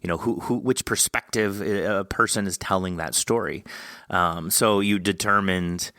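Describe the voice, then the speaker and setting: A man's voice: low voice, moderate pace, pushed and bright, no echo, studio quality. A man hosting a podcast in a casual, effusive, rambling and jokey interview style. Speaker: podcast host.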